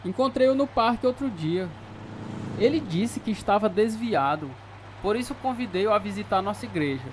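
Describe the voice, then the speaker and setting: A man's voice: high-pitched, lively intonation, moderate pace, noisy background. An actor playing an earnest, devout Christian man with a Brazilian accent, giving his testimony in a radio drama. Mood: friendly. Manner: earnest, preachy.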